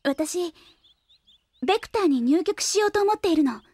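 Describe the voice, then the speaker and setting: An actress playing a determined, prickly young engineer and little sister in an audio drama, brisk, stubborn and easily exasperated. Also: female voice, very high voice, animated, a little mellow, dry recording. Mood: resolute. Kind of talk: Japanese audio drama acting.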